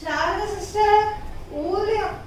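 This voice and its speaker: A woman playing an earnest church sister who lectures a friend and quotes Bible verses slowly, in an amateur family skit. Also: very high voice, fairly even intonation, a little hiss or hum. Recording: echoey room, far from mic.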